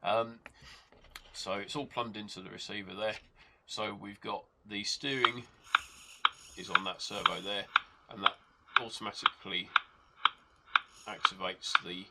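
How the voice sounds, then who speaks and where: A man with a stuffed-up nose from a cold, hosting his channel and calmly explaining a hobby gadget step by step from his workshop. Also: lowish voice, a little slow, pauses often. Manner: explains step by step, relaxed, with hesitations. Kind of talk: casual product demonstration. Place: home workshop with rain outside. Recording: rain and model engine noise behind.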